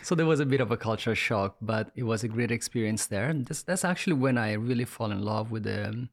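A man in his forties with an Italian accent, a chef and cooking teacher telling his life story in a relaxed, reflective way with many fillers. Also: on the low side, fast talker. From Somalia, raised in Italy. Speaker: chef and cooking instructor, guest. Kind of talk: casual interview storytelling.

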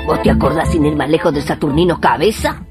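An actress playing a boastful older Argentine village healer in radio theatre, telling tall tales in colloquial, theatrical, drawn-out phrases. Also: female voice, low-pitched, over loud music, close to an everyday voice. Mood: gossipy, teasing.

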